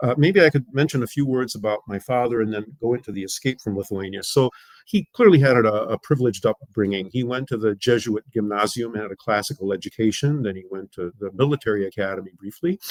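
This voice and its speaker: A man with a Midwestern accent talks at a very fast pace with hardly any pauses. His pitch is medium with ordinary variation, in a dry, close sound with no echo. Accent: American, Midwest. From Ohio, US. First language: Lithuanian. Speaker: former religious TV host. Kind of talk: interview storytelling. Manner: halting, many fillers.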